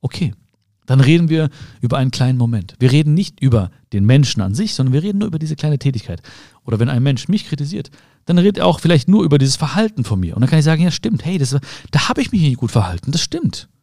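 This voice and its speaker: A man with a warm, mellow voice talks the listener through a quiet self-help monologue. He speaks calmly to them as a friend, circling back to rephrase each point. The sound is close and dry, with no room around it. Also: fairly high pitch, quick pace, no room sound. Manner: calm, addresses the listener directly, rephrases often. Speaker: podcast host.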